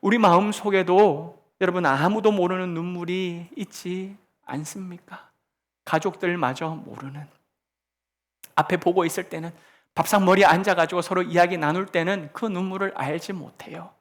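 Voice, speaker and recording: High-voiced Korean pastor preaching. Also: male voice, fairly even intonation. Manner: dramatic shifts between hushed near-whispers and raised emphatic questions; slows down to quote Jesus gently. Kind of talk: sermon.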